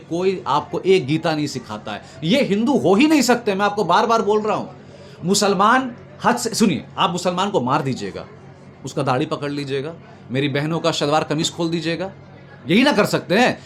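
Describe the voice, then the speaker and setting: A man making an impassioned political argument, emphatic and repetitive, building his points in oratorical lists. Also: on the high side. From Bengal, India. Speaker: political commentator being interviewed. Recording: noticeable background noise.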